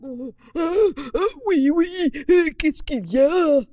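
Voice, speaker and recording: Lady doing a squeaky whiny mushroom guy, slow and stammery, dry sound. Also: dark tone, no room sound. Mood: confused. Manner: stammering, complaining, panicky. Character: whiny hard-of-hearing male mushroom. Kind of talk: children's puppet show.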